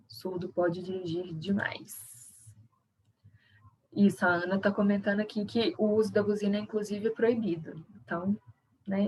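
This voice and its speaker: A woman's voice: mid-range voice, distant mic, slight background noise, rough recording. A woman with a Brazilian Portuguese accent, a sign language interpreter teaching an online workshop in a conversational, explanatory way with frequent tag questions.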